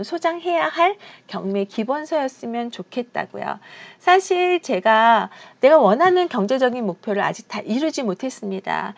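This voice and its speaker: A woman in her fifties, talking through a personal vlog with earnest reflection and the odd question to her viewers. Her voice sits a little high, with plenty of gravel and lively rises and falls. The recording has a dull, lo-fi sound. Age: 50s. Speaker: real estate auction instructor and YouTuber.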